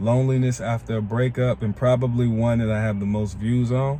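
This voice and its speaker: Somewhat breathy and dark, mellow in tone, a man of medium pitch speaks at a moderate pace. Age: 30s. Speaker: fitness and self-improvement vlogger. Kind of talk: casual vlog monologue. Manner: unscripted, halting with fillers.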